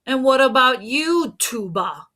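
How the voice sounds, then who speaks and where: A woman's voice: sits high, animated, takes it slowly, bright, forceful tone, voice pushed up, heavily acted. A woman voicing an accusing, vain male police inspector from a storybook, with emphatic, dramatic questioning. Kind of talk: storybook character voice.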